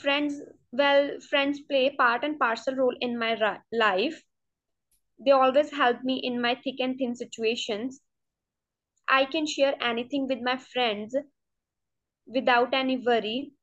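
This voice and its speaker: A woman's voice: high-pitched, fairly even intonation, measured pace. A young woman whose first language is Punjabi answers a mock speaking exam over a video call, hesitant and full of fillers and restarts. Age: student. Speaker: test candidate. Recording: dull lo-fi video call audio.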